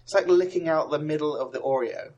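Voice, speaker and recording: A man's voice: a little high, fairly quick, darkish tone, highs cut off. A young man introducing a podcast in a loose, rambling, self-correcting way. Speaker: podcast co-host. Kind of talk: casual chat.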